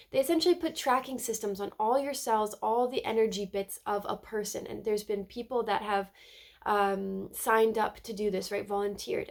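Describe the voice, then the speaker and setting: Woman card reader, stuffy from a cold, somewhat high voice with gravelly fry, earnest and emphatic. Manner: earnest, emphatic, repeats words and asks "right?". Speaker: spiritual tarot reader. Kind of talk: casual spiritual card reading to camera.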